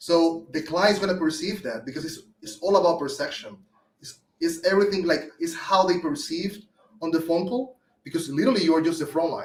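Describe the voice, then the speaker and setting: Speaking at a fairly quick pace with a Venezuelan accent, a high-pitched man shows ordinary pitch variation and big swings in loudness. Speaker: marketing consultant. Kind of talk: podcast interview.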